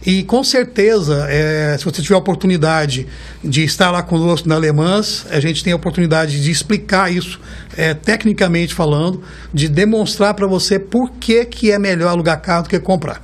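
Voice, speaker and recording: This is a Brazilian man in his fifties with a voice that sits a bit higher than most men's. He tells stories in a loose, conversational flow and keeps checking in with his listener. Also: moderate pace. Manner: chatty, warm storytelling, keeps tagging phrases with a questioning "right?". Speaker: guest, car rental executive. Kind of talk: casual interview talk.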